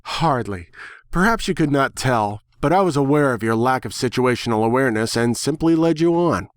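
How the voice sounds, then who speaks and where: A man acts out a snarky talking she-bird from a fantasy story. She speaks in measured, formal phrases with cryptic, condescending superiority. The recording is close and dry. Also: medium pitch, clear, resonant tone, no room sound, close to an everyday voice. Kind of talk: dramatic reading of fan fiction.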